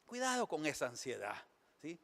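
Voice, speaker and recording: A man preaching a sermon as pastor, telling lively stories in a church. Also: a little high, moderate pace, vocal fry. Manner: lively storytelling preacher, animated. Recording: long church reverb.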